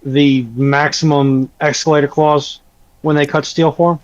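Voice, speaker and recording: A fairly high-voiced man chats casually as a guest on a live panel. He talks with wry understatement, and the sound is dull and lo-fi. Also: little pitch movement, a little slow.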